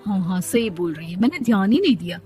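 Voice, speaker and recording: A woman voicing a cheerful, chatty young female friend in an animated story. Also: medium pitch, fast talker, husky, soft background music, pitched below the performer's own voice.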